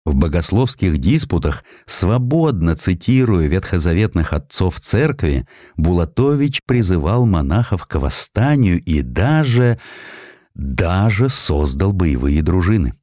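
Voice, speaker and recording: A man reading a scripted historical story as an audiobook narrator, in a measured, expressive way with deliberate pauses. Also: low voice, dry recording, clean studio sound.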